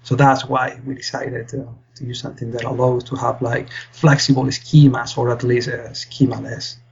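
Young man from Spain, podcast guest, gravelly husky voice, flat delivery, dull lo-fi sound. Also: medium pitch, moderate pace. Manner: earnest, explains with many fillers and restarts. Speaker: guest, PhD student. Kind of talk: interview answers.

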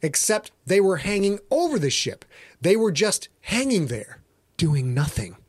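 A man's voice: high-pitched, very animated, measured pace, slightly rough, dry recording, studio quality. A man hosting and narrating his own podcast in a playful, theatrical way. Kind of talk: dramatic story reading and casual podcast talk.

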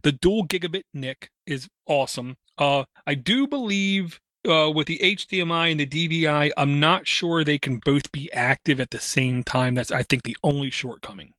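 A man's voice: fairly high pitch, normal speed, hardly any pauses, fairly bright tone, dry recording, clean studio sound. Enthusiastic man in casual tech chat. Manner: enthusiastic, uses homespun comparisons.

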